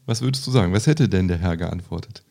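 A man's voice: low-pitched, fast, gravelly, dark tone. A man in casual conversation about a Bible passage, asking his partner questions and reading verses aloud. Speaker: Bible study co-host.

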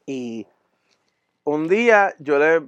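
A man telling a crude story in a podcast chat, profane and animated, acting out voices and sounds. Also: a little high, very slow, clear, resonant tone, dry recording, muffled recording.

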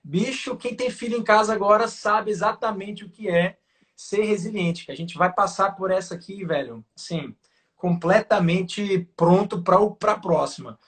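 High-voiced man in casual chat. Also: moderate pace, a bit bright. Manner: colloquial, uses slang fillers.

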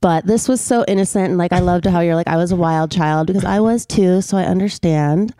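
A woman hosting a podcast, talking with a guest in a sweet, soft-spoken way. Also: on the low side, brisk, dry recording. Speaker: podcast host. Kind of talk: casual interview chat.

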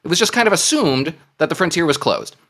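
A man's voice: fairly high pitch, fast. Man ranting on a politics podcast, voice swinging up and down a lot. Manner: emphatic, animated argument. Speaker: podcast panelist. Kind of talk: political discussion.

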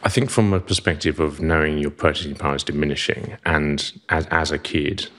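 A middle-aged man from Zimbabwe with a Zimbabwean accent softened by years in England, speaking as a podcast guest in a wry, self-deprecating way with clipped vowels. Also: very deep voice, fairly even intonation, fairly quick. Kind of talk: casual podcast conversation.

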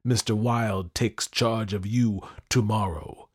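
A man's voice: fairly low pitch, fairly even intonation, slow, slightly rough. A man voicing a deluded, triumphant madman in an audiobook, with imperious, furious, emphatic delivery. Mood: triumphant menace. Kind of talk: dramatic audiobook character acting.

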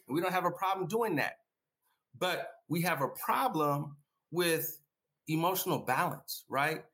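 A man's voice: high voice, a bit bright. A man who is a guest educator in a panel discussion. He speaks earnestly, repeats himself and checks his points with "right?".

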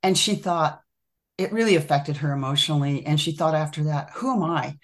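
A woman guest on a podcast, telling a story in a thoughtful, measured way. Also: low-pitched. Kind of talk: casual conversation.

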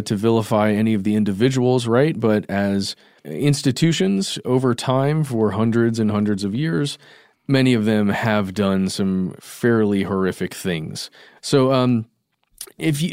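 A man's voice: fairly low pitch, a little mellow, smooth, no room sound, clean studio sound. A man co-hosting a podcast, talking things through in a casual, thoughtful way and qualifying his points. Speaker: podcast co-host. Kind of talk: casual discussion.

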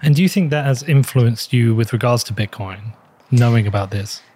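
Male podcast host, rapid delivery, blunt and casual, mid-pitched voice. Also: warm tone. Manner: brisk, blunt, swears casually. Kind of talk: casual interview questioning.

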